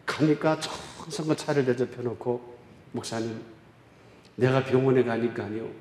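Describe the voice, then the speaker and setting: A man's voice: medium pitch, unhurried, a little hiss or hum. Male pastor, revival sermon, emotional storytelling, big echoey church sanctuary. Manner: emotional, shifts from loud exclaiming to quiet confiding.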